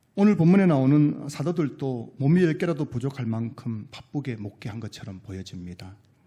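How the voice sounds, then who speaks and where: At a moderate pace, a man with a medium pitch and a dark, mellow tone speaks with lively intonation. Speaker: pastor. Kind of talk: sermon. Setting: church.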